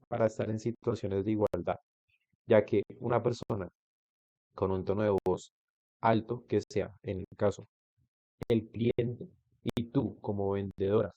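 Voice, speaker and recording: A low, mellow-voiced man lecturing in an online class, explaining step by step and stopping to quiz a student. The sound is dry and dull, like a lo-fi call recording. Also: no echo. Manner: explanatory, with restarts and questions to the student. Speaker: instructor.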